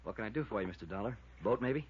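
An actor playing a guarded, outwardly friendly young boathouse owner in a 1950s radio drama, with a husky American voice. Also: male voice, lowish voice, expressive, racing, slight background noise, natural voice. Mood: guarded, casual. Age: late twenties. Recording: dull vintage radio recording.

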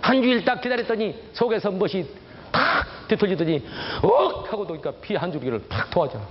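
A man's voice: high-pitched, expressive, a little fast, slight background noise. An older man, a church elder, telling his testimony to a congregation, acting out the voices of people in his story and speaking straight to his listeners. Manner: dramatic storytelling, acts out quoted voices, addresses audience. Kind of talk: testimony sermon. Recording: dull recording with faint ambience.

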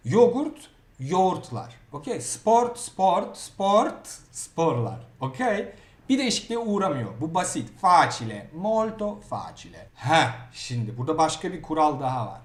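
A Turkish-speaking man teaching grammar in a lively way, often checking in with the learner. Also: fairly high pitch, reverberant. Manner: lively, repeats words and asks "okey?". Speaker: Italian teacher. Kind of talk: grammar lesson.

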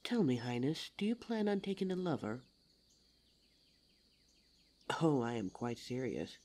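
A performer voicing a suave, teasing demon lover in an intimate ASMR roleplay audio drama, smooth-talking and formal in address. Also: medium pitch, sing-song, brisk, darkish tone, lightly acted. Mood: playful, seductive.

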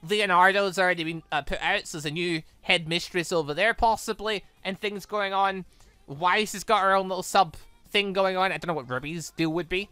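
Speaking briskly in a high, bright, pushed voice, a man closes out his visual novel playthrough for his gaming channel. His wrap-up commentary is enthusiastic and rambling, full of restarts, recorded smooth with no echo and faint music behind.

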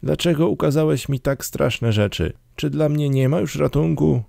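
A man's voice: on the high side, normal speed, vocal fry, warm tone, dry recording, studio quality, voice pushed up. A man reading an audiobook, voicing a terrified old male miser who desperately pleads with a spirit in a raised, anguished voice. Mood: desperate pleading. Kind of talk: audiobook character voice.

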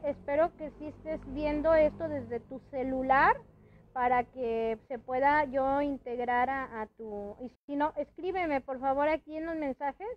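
A woman hosts a casual live-stream chat from a friend's house, rambling with many restarts and small laughs, her speech somewhat hampered by a dental palate. Her voice is high-pitched and the recording muffled.

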